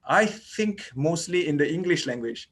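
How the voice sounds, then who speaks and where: A man's voice: a little high, lively intonation, normal speed, a bit bright. A man whose first language is Malay, giving an online lecture on child dental care, explaining step by step with frequent "okay" and "you know". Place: indoors, online lecture recording.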